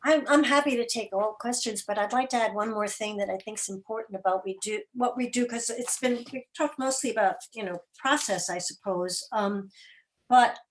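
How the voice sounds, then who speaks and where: A woman speaking as a guest producer on a video call, explaining her work in a thoughtful, halting, conversational way. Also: fairly high pitch, poor audio. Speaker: guest, producer of an audio theater program. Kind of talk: conversational explanation in an online group meeting.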